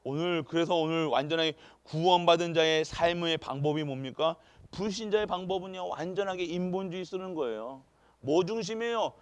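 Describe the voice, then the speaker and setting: High-voiced preaching man, rhetorical questions. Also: fairly quick. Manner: rhetorical questions to the congregation, swings from loud to hushed. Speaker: pastor. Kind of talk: sermon. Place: church sanctuary.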